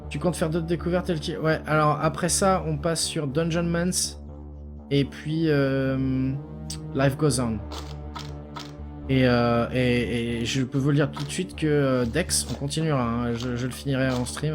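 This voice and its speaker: A man's voice: medium pitch, fairly even intonation, normal speed. A man streaming a game live, chatting casually, reacting aloud and swearing freely as he plays. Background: game music.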